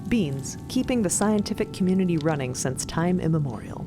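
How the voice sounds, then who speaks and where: Clear music sits behind a woman with a fairly low voice. She narrates a scripted fantasy story as one of several podcast narrators, with room for banter. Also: lively intonation, fairly quick.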